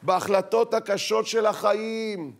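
Animated high-voiced man preaching. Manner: animated, acts out quoted voices, rhetorical questions. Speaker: rabbi giving a talk. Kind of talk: lively sermon to an audience.

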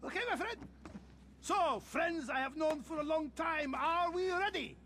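An actor playing a pompous, jovial, middle-aged rich car collector with an Arab accent and a theatrical manner in a video game. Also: male voice, extremely high pitch, unhurried, full character voice. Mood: jovial, scheming. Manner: theatrical, grandiose, animated. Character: flamboyant wealthy car collector, male, pompous, jovial, bossy older cousin. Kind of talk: video game cutscene acting.

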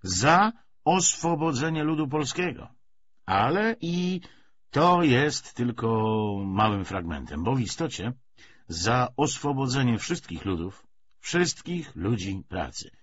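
A man's voice: medium pitch, big pitch swings, slow pace, fairly bright tone, breathy edge, dry recording, full character voice. A man reading an audiobook, voicing a weary, cynical, persuasive Bolshevik official with emphatic, hesitating, rhetorical speech. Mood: dismissive, confident. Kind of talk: dramatised audiobook dialogue. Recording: dull lo-fi audio, faint noise.

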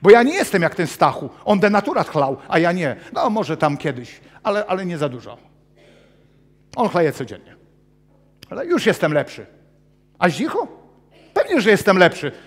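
A man in his fifties preaching a sermon with personal testimony in a small church hall, animated and gesturing as he paces. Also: sits high, normal speed, long pauses. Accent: Polish. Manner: animated, gesturing broadly while pacing the stage. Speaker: pastor.

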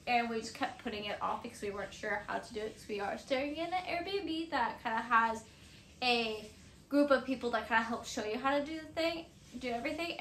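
A woman's voice: on the high side, fairly bright tone. A woman in her twenties vlogging casually to camera in a bedroom, rambling and correcting herself as she goes. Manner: rambling, self-correcting, often laughing between phrases. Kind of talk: casual unscripted chat to camera. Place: small bedroom indoors. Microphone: camera a few metres away. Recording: roomy echo, some background noise, mic at distance.

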